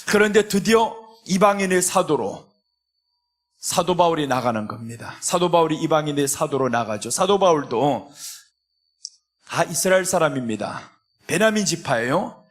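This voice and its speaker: A man's voice: a little high, animated, normal speed. A man preaching a sermon as a pastor, speaking emphatically and acting out the lines of biblical characters in quoted voices. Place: church sanctuary.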